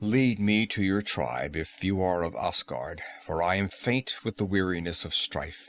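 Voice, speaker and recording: A man's put-on character voice, growling and very deep, with lively intonation, a moderate pace and hardly any pauses. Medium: read story. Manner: archaic, growling.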